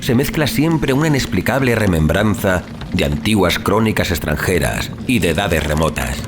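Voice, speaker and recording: A man narrating a horror audiobook in a measured, solemn, theatrical manner, as a dramatic scripted reading. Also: deep voice, expressive, background noise. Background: music.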